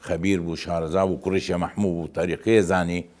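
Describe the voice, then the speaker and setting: The speaker is a man with a very deep, low pitch. He talks at a moderate pace. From Iraqi Kurdistan, Sulaymaniyah; Iraqi Kurdistan. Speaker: former diplomat and archivist; interview guest. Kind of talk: interview. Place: home room. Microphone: lapel.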